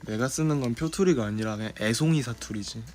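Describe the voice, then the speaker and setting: A man's voice: medium pitch, darkish tone. Drawling young Korean man chatting. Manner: drawling, unhurried. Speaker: idol livestream host. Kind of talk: casual livestream chat.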